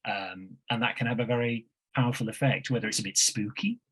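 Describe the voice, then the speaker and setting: A man with a husky, medium-pitched voice speaks as a radio producer in conversation on a video call. He is reflective, pauses often and repeats a phrase to drive it home. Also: a bit bright, poor audio. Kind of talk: conversational panel talk on an online call.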